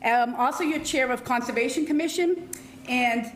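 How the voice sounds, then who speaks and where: A woman in her sixties with a loud voice, speaking off the cuff at a town council meeting, chatty and full of fillers. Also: high voice, moderate pace, slight background noise. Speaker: local businesswoman and commission chair. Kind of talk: unscripted public comment.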